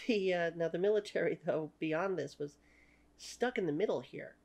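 A woman's voice: lowish voice, moderate pace, gravelly, darkish tone. Canadian woman in her 30s, native French speaker, opinionated history host talking to camera at home. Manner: opinionated, many "you know" fillers. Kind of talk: talking-head history lecture. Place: small room at home.

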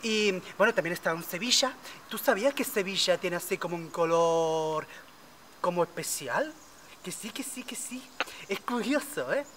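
A woman's voice: on the low side, animated, moderate pace, slight background noise, natural voice. Estela, a woman playing a spoiled chatterbox. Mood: bubbly boastful. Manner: boastful nonstop chatter, fake foreign accent bits. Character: vain chatty rich young woman, spoiled daddy's girl. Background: background music.

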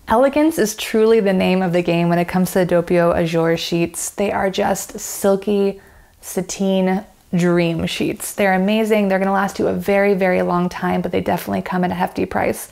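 A woman's voice: medium pitch, steady tone, normal speed, creaky, darkish tone. A woman in her thirties with an American accent, giving a chatty, enthusiastic product review to camera while seated on a bed in a bedroom.

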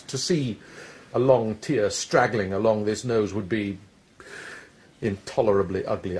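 A man's voice: medium pitch, lightly acted. A man acting a proud, lovesick, self-mocking poet-swordsman in a radio verse drama, speaking with eloquent, theatrical lyricism.

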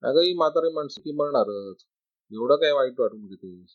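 A man's voice: mid-range voice, lively intonation, normal speed, natural voice. A man voicing a vain, blunt young woman who talks with scorn and boasts. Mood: mocking. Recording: dry, slightly dull recording.

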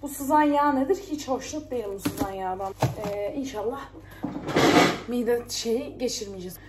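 A woman's voice: a little high, normal speed, distant mic. Chatty woman in an echoey room. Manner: chatty, rambling and self-mocking. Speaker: vlogger. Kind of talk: casual solo vlog chat. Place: indoors in a rented holiday home. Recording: echoey room, faint background noise.

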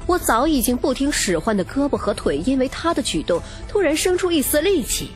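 A woman's voice: sits high, big pitch swings, a little fast. A woman reading a romance novel as dramatic, scripted first-person narration. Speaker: audiobook narrator. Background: music.

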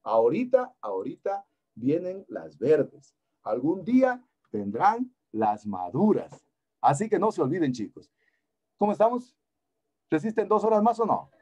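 A man lecturing his students over a video call, relaxed and coaxing, often repeating his phrases. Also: fairly high pitch, unhurried. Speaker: engineering lecturer. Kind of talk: online class talk.

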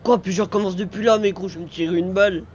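A man's voice: high voice, steady tone, very fast, lo-fi sound, a little hiss or hum. A man chatting casually over a game, exasperated like a raging gamer and repeating his phrases as he complains. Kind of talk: casual chat while gaming.

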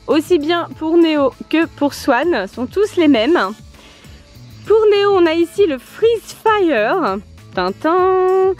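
A woman with a strikingly high voice hosts a family toy-review vlog outdoors beside a pool. She talks in a playful, teasing way and laughs often. Soft music plays faintly behind her. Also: sing-song, slow pace. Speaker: mother and channel host.

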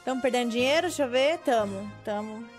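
A woman's voice: on the high side, brisk. A young woman with a Brazilian accent giving casual live commentary as she streams a game. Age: young adult. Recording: game music behind the voice.

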